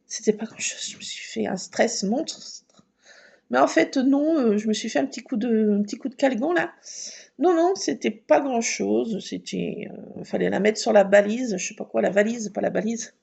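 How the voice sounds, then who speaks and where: Husky raspy woman chatting on her vlog, laughs a lot, acts out the voices. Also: fairly high pitch, moderate pace. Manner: lively, laughing, acts out dialogue and alarm sounds. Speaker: vlogger. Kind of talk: casual storytelling.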